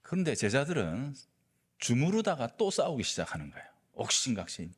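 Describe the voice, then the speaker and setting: A male pastor preaching a sermon, telling a story with lively delivery and acting out the quoted lines. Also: on the low side, moderate pace. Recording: long reverb of a large hall.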